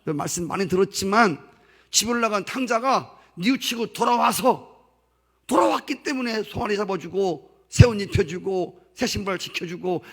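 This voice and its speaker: A male pastor preaching a sermon, acting out voices and swinging between loud outbursts and hushed asides. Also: sits high, slightly rough.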